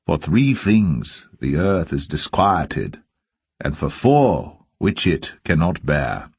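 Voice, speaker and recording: A man reading scripture aloud as solemn narration, with measured and deliberate phrasing. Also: a bass voice, big pitch swings, gravelly, breathy edge, dry recording. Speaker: Bible reader.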